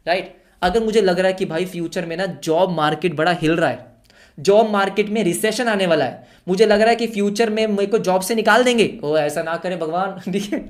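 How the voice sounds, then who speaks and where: A man teaching an online class, lively and full of quick yes-or-no questions for his students, slipping English terms into his speech. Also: sits high. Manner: energetic, fires rhetorical yes-or-no questions at students.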